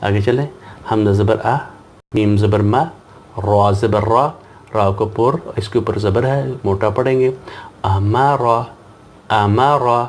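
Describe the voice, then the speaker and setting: A man's voice: fairly low pitch, steady tone, darkish tone, a little hiss or hum. Patient man teaching Quran reading. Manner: patient, repeats each syllable. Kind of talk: slow spelling-out lesson.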